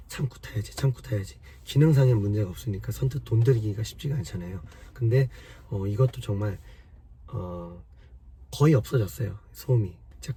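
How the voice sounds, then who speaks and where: A man with a hoarse voice from a cold, patiently explaining car repair step by step to his viewers in a casual way. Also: mid-range voice, dark tone, a little hiss or hum. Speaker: car maintenance vlogger.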